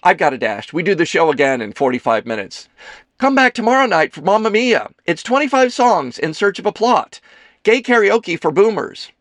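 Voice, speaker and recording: A man plays a theatrical actress in an audiobook, her voice pitched high and swinging widely. She is bossy and flirtatious, stressing her words as if every line were an exclamation. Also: very animated, moderate pace, a bit bright, dry recording, studio quality. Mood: teasing, bossy. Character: dramatic, gushing woman actress, bossy and flirtatious. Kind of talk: audiobook character dialogue.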